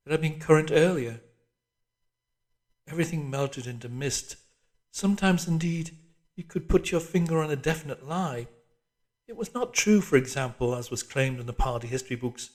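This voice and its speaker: Measured male audiobook narrator. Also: medium pitch, darkish tone. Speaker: audiobook reader. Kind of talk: scripted literary narration.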